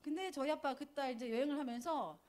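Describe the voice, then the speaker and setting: A woman in her forties telling lively family stories in a business seminar, acting out what her relatives said. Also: high-pitched, quick pace. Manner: lively storytelling, acts out quoted family voices. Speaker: network marketing speaker. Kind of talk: business seminar talk with slides. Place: seminar hall.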